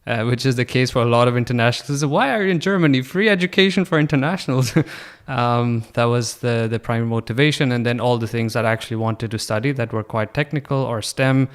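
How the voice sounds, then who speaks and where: Smooth-voiced young man from Pakistan. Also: mid-range voice, fast, hardly any pauses. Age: 20s. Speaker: podcast guest. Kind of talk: casual interview chat.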